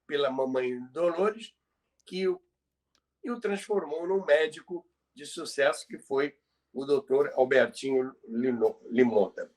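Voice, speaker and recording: A Brazilian man telling radio history conversationally as a podcast presenter, explaining things emphatically and repeating key phrases for effect. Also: fairly high pitch.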